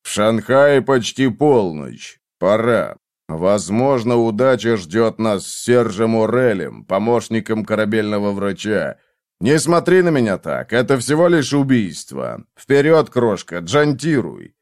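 A man voicing a brutal vengeful man who interrogates in a harsh, slow, menacing way. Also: fairly low pitch, very animated, a little mellow. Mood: cold.

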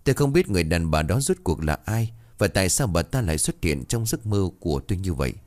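A man's voice: low voice, big pitch swings, fast, a little mellow. A man reading a horror story aloud in a dramatic, suspenseful way. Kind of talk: scripted horror story narration.

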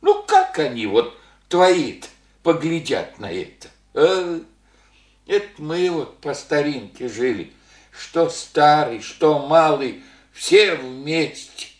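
A man's voice: a little high, expressive, slow pace. An actor playing a meek old village grandfather in a radio play, speaking in folksy rustic speech with a hesitant drawl. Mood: pleading. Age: older. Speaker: old father visiting his daughter. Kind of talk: Soviet radio play acting. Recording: roomy old radio studio recording.

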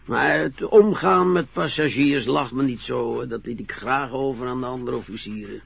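An older man with a Dutch accent, playing a retired merchant navy captain in a radio play, reminiscing slowly with a husky, chuckling voice. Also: medium pitch, dull audio. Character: old retired sea captain, modest and a bit vain.

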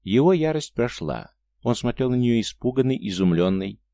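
A man narrating an audiobook in a calm, measured storytelling manner. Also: medium pitch, no room sound. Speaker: audiobook reader. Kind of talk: scripted narration.

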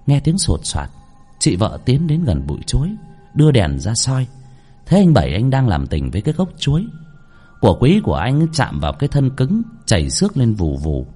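A man narrating a ghost story in a dramatic, expressive storytelling manner. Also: mid-range voice, moderate pace, breathy edge, soft background music.

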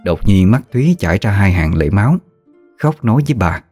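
A man narrating a ghost story in a steady, somber storytelling manner. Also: on the low side, brisk, slightly rough, soft background music.

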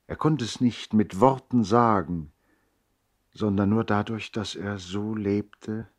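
An actor playing a reflective, melancholy brother who narrates a literary radio play in a measured, emphatic, theatrical way. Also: male voice, low-pitched.

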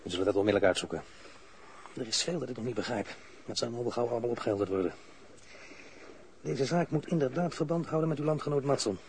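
An actor playing a composed, authoritative police investigator in a radio drama, speaking formally and insistently. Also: male voice, medium pitch, quick pace, long pauses, a little mellow, natural voice. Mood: calm, dry. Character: stern, composed male police investigator, probing and dryly authoritative. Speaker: police interrogator. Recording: noisy archived radio drama recording.

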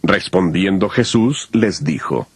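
A man narrating dramatized scripture in a measured, expressive way. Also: sits low, husky, no room sound.

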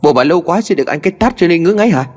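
A man voicing a bad-tempered older husband who barks quick threats, in a horror story with long reverb and faint music. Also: medium pitch, sing-song, breathy edge. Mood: angry. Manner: rapid, barking, threatening.

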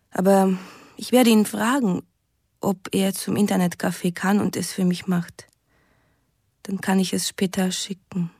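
A woman's voice: mid-range voice, mellow, no room sound, clean studio sound. An actress playing a sad, fearful sweetheart, reading her letters aloud intimately and mournfully in a German radio drama.

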